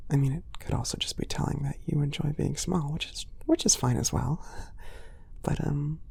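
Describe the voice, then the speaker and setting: A woman voicing a gentle, shy, affectionate cat boy in an intimate ASMR roleplay, whispering softly with hesitant, apologetic politeness. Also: low voice, full character voice. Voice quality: soft, breathy whisper.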